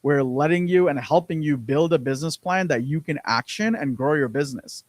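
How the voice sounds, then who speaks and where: A man co-hosts a business podcast, chatting casually and rambling with many fillers and repeated words. His voice is a little high and his pace brisk. He's recorded on a close mic with no room sound.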